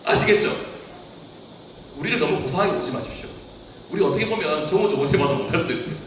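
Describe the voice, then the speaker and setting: A man's voice: fairly high pitch, lively intonation, quick pace, noisy background. Man, pastor, sermon with questions, long reverb, distant mic. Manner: preaching with rhetorical questions to the congregation. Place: church hall. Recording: echoey hall, voice from far off.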